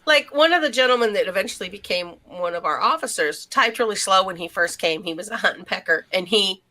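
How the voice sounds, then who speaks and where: A woman's voice: medium pitch, lively intonation, a little fast, sharp tone. A woman co-hosting a podcast, telling anecdotes in casual conversation. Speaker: podcast co-host.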